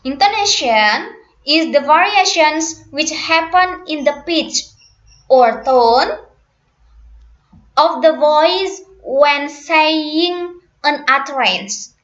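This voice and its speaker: A woman teaching an English lesson, explaining slowly and deliberately and repeating her points. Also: high-pitched, expressive, a bit bright. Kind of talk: classroom explanation. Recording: echoey room, dull lo-fi sound.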